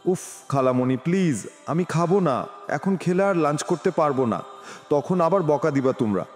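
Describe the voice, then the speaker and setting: A man's voice: fairly high pitch, animated, moderate pace, close to an everyday voice. A man voicing a young woman in a storybook, pleading and protesting in a sulky way. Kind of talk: storybook character voice. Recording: reverberant with music behind.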